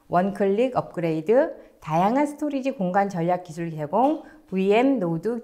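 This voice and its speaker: A woman's voice: medium pitch, darkish tone. A woman hosting a webinar, reading scripted announcements in a polite, formal presenter manner. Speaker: webinar host.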